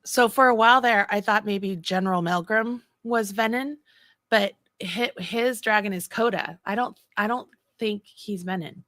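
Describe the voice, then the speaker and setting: Bright, forceful woman chatting, close and dry. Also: mid-range voice, normal speed, no room sound. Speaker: co-host of a book read-along livestream. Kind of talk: casual chat, reacting to co-host.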